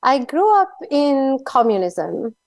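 A woman's voice: high-pitched, lively intonation, takes it slowly, dry recording. A woman from Slovakia with a Slovak accent, a cheerful guest speaker in an interview, often laughing. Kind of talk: interview conversation.

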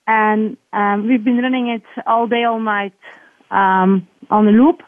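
A woman's voice: mid-range voice, fairly even intonation, a little slow, no room sound. A Belgian woman calling in over the phone. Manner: hesitant, many ums, earnest. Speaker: caller. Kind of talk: call-in chat. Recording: tinny phone line.

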